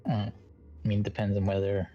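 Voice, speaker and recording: Man, tabletop player, low voice, offhand, muffled lo-fi mic. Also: completely flat delivery, a little fast, mellow, slight background noise. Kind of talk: playing a character at a tabletop game. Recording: dull lo-fi mic.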